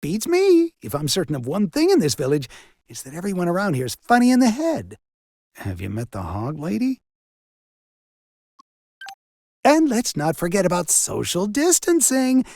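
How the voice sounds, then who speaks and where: An actor voicing a sardonic, wisecracking village doctor and coroner in a video game, with a theatrical delivery. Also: male voice, sits high, wildly swooping pitch, moderate pace, a little mellow, heavily acted. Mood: scornful. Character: sarcastic village doctor and coroner, self-styled man of science. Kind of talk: video game character acting.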